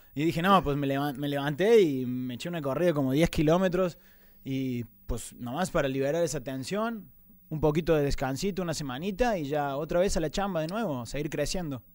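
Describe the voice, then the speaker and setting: A plain, everyday voice, speaking at a moderate pace. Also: man, fairly high pitch for a man, ordinary pitch variation, very clean recording, silent background. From Argentina. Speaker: mixed martial arts fighter. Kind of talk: casual interview. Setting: studio.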